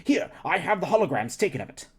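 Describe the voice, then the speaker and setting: A man's voice: high voice, very animated, fast, slightly rough, voice pushed up, full character voice. A man voicing an eager, chatty male alien scientist who lectures and rambles, while reading a novel aloud on a stream. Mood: eager lecturing.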